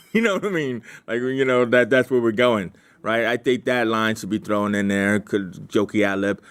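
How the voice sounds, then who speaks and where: A man's voice: on the low side, normal speed, clear, resonant tone, no echo. A man leading a group discussion casually, in an informal, jokey way, prodding people with questions. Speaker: workshop leader giving script feedback.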